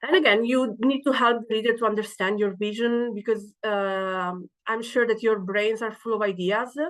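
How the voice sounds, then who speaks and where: Speaking with a non-native accent, a woman with a fairly high pitch keeps a moderate pace, fairly even intonation and hardly any pauses. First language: not English. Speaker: early-career researcher. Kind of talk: webinar presentation. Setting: online webinar. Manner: halting, many fillers.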